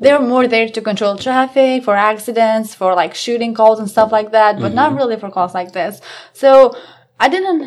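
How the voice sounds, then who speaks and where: A woman with an Albanian accent, fairly high in pitch, at a moderate pace with ordinary pitch variation. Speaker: police officer. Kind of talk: casual interview.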